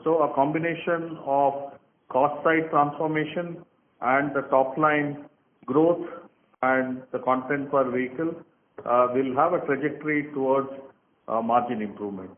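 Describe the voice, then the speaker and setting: A man with an Indian accent explaining things as a finance chief on an earnings call, measured and formal. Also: mid-range voice, fairly even intonation. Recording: roomy speakerphone sound, tinny, noisy line.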